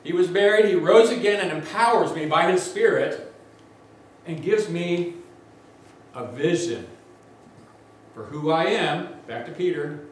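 This guest preacher's big voice sits a little high and moves a little slowly. His sermon is energetic and conversational, sprinkled with asides, and it echoes heavily through a large church sanctuary recorded from a distance, with slight background noise.

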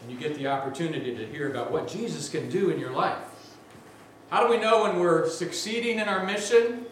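A man with a big, slightly high voice preaches to a congregation in an energetic, conversational way, adding asides as he goes. He is heard from a distance in a very reverberant church, with a faint hum of the room behind him. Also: brisk. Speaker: guest preacher. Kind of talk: sermon. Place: large church sanctuary.

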